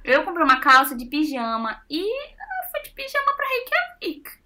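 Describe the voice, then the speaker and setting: A young Brazilian woman chatting casually, telling stories with animated, self-mocking exclamations. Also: very high voice, moderate pace. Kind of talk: casual chat.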